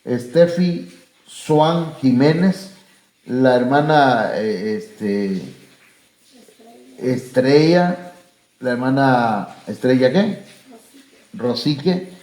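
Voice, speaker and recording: In a church sanctuary, a pastor with a Mexican Spanish accent preaches and leads a closing prayer for the congregation and online viewers, speaking plainly and conversationally with many fillers. His mid-range voice is animated and a little mellow but very slow, with long pauses. The room sounds echoey.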